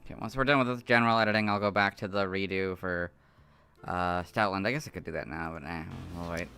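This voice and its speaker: A hoarse man who has lost his voice, chatting casually on a livestream while editing, muttering to himself with apologetic asides. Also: deep voice, fairly even intonation, quick pace, pushed and bright, soft background music. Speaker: video creator streaming his editing. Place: home room, hot.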